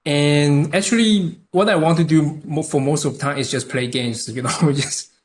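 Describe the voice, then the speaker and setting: A young man from Taiwan, a native Chinese speaker with a Taiwanese accent, chatting haltingly as a podcast guest with many restarts. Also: on the high side, a little hiss or hum. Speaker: podcast guest, concept artist. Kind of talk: casual interview chat.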